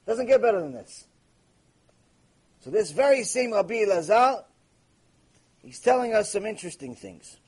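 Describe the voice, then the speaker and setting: A man's voice: sits high, very animated, moderate pace, long pauses, a little mellow, slightly rough. A man teaching a Torah class, asking questions and answering them himself, with Hebrew terms woven into his English. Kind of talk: lively recorded Torah lecture.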